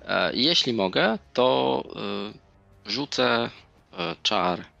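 A man's voice: mid-range voice, very animated, takes it slowly, creaky, pushed and bright, dull audio. A man playing a tabletop role-playing game, hesitant and thinking aloud in casual talk. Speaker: player. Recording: music under the voice. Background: background music.

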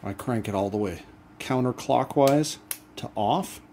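A man hosting a do-it-yourself channel, explaining a repair step by step in a relaxed, casual way as he works at a bench. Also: mid-range voice, unhurried, vocal fry, background noise. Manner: relaxed step-by-step explaining while working hands-on. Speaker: DIY channel host. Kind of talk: casual how-to demonstration.

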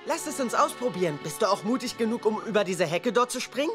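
Woman as an eager, animated young cartoon bear. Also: medium pitch, fast talker, soft background music, natural voice. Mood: excited, boastful. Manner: bouncy, enthusiastic.

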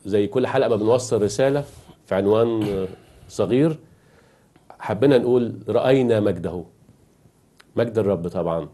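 A man's voice: fairly low pitch, normal speed, pauses often, warm tone. A man with an Egyptian Arabic accent hosting a Christian studio talk show, courteous and formal as he welcomes his guests. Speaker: host of a Christian TV program.

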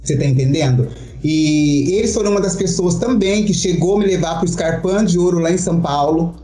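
A middle-aged woman with a Brazilian Portuguese accent, a show performer telling her story as an interview guest. She talks in a theatrical, animated way and keeps checking that the listener understands. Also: lowish voice, brisk, echoey room, faint music behind. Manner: animated, theatrical, acts out quotes, keeps asking "you understand?".

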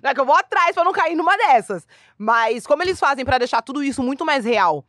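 A woman's voice: sits high, animated, fast talker, fairly bright tone, no echo, studio quality. A young Brazilian woman co-hosting a casual chat show, talking in a chatty way and laughing often. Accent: Brazilian Portuguese. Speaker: co-host.

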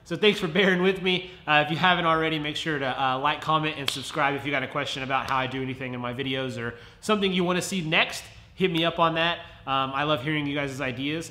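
A man in his thirties with a fairly high, pushed and bright voice sounds nasal and congested from a head cold. He chats casually and warmly with viewers in a car how-to vlog, recorded indoors in his home garage with a roomy echo.

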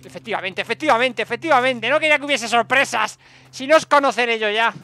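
A man giving excited gameplay commentary as a streamer, repeating words in quick bursts and talking to himself and his viewers. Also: very high voice. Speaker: gaming streamer.

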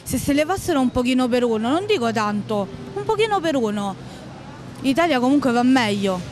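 A woman's voice: sits high, sing-song, a little fast, background noise. A woman in her twenties with a Roman accent, complaining colloquially in a street interview. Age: 20s. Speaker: interviewed passer-by. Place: outdoors under a city colonnade. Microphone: handheld interview microphone. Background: music.

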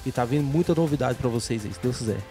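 A middle-aged man talks in a mellow, warm voice as a guest singer on a handheld mic. He speaks politely and earnestly. Faint music plays behind him in the studio. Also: mid-range voice, quick pace. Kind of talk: casual TV interview. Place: TV studio set.

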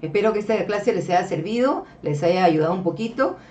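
A woman's voice: medium pitch, lively intonation, brisk, darkish tone. A woman giving a religious lecture over slides, explaining patiently, often checking in with her listeners and addressing them as beloved brethren. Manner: explanatory, frequent checks with "ok?" and "este" fillers. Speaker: religious teacher. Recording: distant, dull-sounding mic.

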